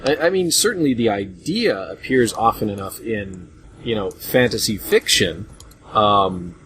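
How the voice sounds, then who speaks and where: Low-voiced man hosting over background noise. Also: animated, unhurried, a bit bright. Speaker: podcast host. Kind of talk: casual group discussion about retro games. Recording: noisy low-grade voice chat recording.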